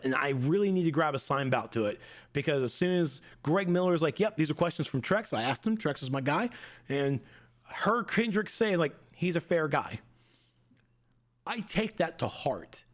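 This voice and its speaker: A man's voice: a little high, expressive, normal speed. A man in his forties, a gaming streamer, giving a heated, emphatic opinion rant straight to his viewers. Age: 40s.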